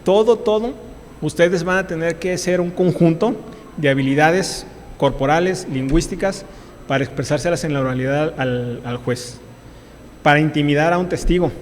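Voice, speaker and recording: A man's voice: fairly high pitch, long reverb tail, a little hiss or hum. A man with a Mexican accent, a labor lawyer, gives a university lecture in an emphatic, repetitive way, restarting often. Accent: Mexican Spanish. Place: lecture hall.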